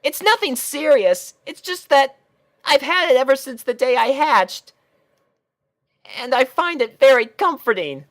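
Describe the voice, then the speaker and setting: Tiny baby dragon kid, super high squeaky cartoon voice, clingy n sheepish, pitch all over. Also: male voice, expressive, measured pace, a bit bright, exaggerated voice.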